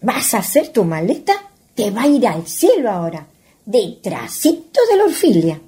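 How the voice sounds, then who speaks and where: A woman playing a cautious, scolding country ghost with a husky voice and a Chilean accent, speaking rural colloquial speech in a radio play. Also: mid-range voice, very animated, moderate pace, mellow. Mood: teasing, excited. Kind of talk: radio theatre acting.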